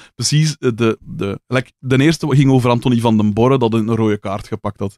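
A man with a Flemish accent at a fairly quick pace, ordinary pitch variation, dry sound with no echo, quiet background. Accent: Flemish Dutch. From Flanders, Belgium. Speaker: journalist and writer; journalist. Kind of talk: casual interview chat. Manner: halting. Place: studio. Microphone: studio mic.

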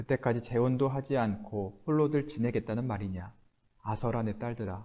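Over a quiet background, a man speaks at a moderate pace in a dark, mellow tone with ordinary pitch variation. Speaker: pastor. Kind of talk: scripture reading and sermon. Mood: calm, reflective. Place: studio.

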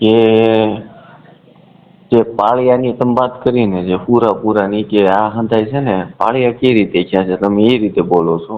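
In an ordinary speaking voice, a man with a fairly low pitch keeps his intonation fairly even. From Saurashtra, Gujarat (Dhari, Amreli district). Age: 20s. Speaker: caller. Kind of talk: argumentative phone call. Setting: phone call.

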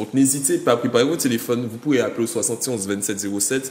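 A man talks at a fairly quick pace with fairly even intonation, and there is light background noise and audible room echo. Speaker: TV show host. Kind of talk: talk show hosting. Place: studio. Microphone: podium.

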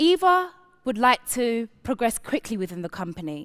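Moderate-paced speech from a woman, the background quiet. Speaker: conference speaker. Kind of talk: prepared talk telling a workplace story. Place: stage. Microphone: headset.

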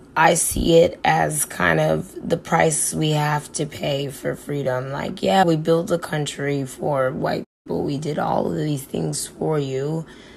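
A woman at a very slow pace over light background noise. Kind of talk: casual selfie monologue. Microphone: phone near.

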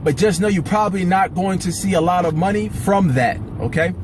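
Noticeable background noise sits behind a man talking at a moderate pace, the sound dry with no echo. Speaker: rideshare driver vlogger. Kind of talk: casual vlog chat. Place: car. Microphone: phone near.

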